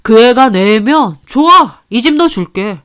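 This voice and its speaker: A woman's voice: a little high, lively intonation, measured pace, a bit bright, clean tone. A woman voicing an angry suspicious husband. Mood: hostile. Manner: accusing, sneering. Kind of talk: Korean radio-story dialogue.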